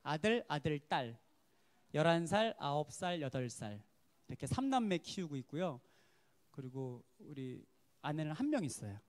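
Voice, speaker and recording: Male worship pastor, testimony sermon, high voice, very lively pitch, expressive storyteller. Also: normal speed. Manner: expressive storyteller, acts out quotes, laughs often. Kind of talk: testimony sermon at a church service. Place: church service.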